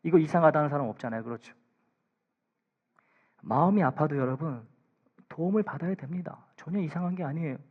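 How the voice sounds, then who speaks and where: A man preaching a sermon as pastor in a church, pleading, with hushed asides and raised emphatic lines. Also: on the high side, fairly quick, long pauses, narrow, tinny audio. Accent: Korean. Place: church sanctuary.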